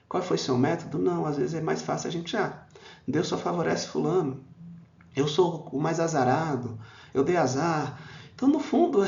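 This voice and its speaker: A man's voice: on the high side, gravelly, darkish tone. A man with a Brazilian Portuguese accent giving a spiritist lecture in a hall. He talks in a conversational way, with many "né?" asides, and acts out quoted voices. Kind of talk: public talk on a spiritist text. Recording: roomy, dull lo-fi hall recording.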